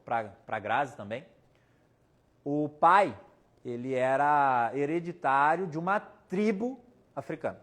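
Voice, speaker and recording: A Brazilian spiritist medium with a Brazilian Portuguese accent and a slightly high, somewhat bright voice gives a casual storytelling talk with audience questions. He's chatty and anecdotal, quoting people in his stories and joking along the way.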